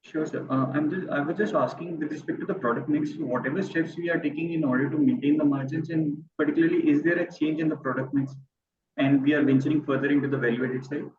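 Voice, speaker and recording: A man's voice: a little high, steady tone, fast talker. A man asking questions as a participant on an earnings call. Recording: distant, echoey, muffled, noisy call line.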